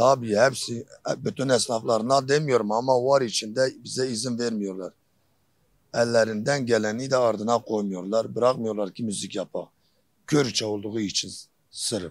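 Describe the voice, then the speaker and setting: A man with a Kurdish accent, medium pitch, moderate pace and fairly even intonation. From Diyarbakır, Turkey. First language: Kurdish (speaking Turkish). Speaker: street musician. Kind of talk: street interview. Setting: outdoors.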